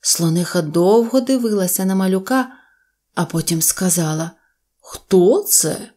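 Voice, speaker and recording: A woman narrating a children's audio tale in a slow, gentle storytelling manner. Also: lowish voice, lively intonation. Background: faint music.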